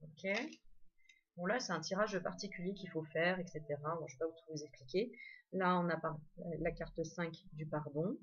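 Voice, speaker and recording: A woman's voice: fairly low pitch, steady tone, normal speed, dull audio. A woman casually showing her tarot and oracle card decks, chatty, with many fillers and restarts. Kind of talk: casual show-and-tell.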